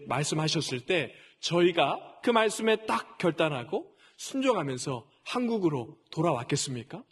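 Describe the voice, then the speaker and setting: High-voiced earnest male pastor. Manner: earnest, storytelling, often addresses the congregation. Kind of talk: sermon.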